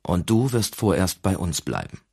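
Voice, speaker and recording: A man reading the part of a grave, kindly abbot in an audiobook, speaking in a gentle, measured, solemn way. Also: low voice, big pitch swings, creaky, breathy edge, exaggerated voice. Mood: firm.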